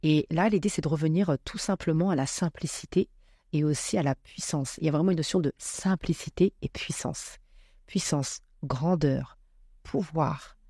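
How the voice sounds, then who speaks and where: A woman speaking as a podcast guest, reflecting on spiritual matters with many pauses and fillers. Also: sits low, dark tone, breathy edge, no room sound, studio quality.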